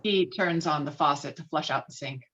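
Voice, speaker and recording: A woman with a fairly low voice reads out screenplay directions as a narrator. The sound is somewhat dull and lo-fi, like a remote table read over a call. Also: normal speed, fairly bright tone. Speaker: narrator reading stage directions. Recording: dull lo-fi video call audio.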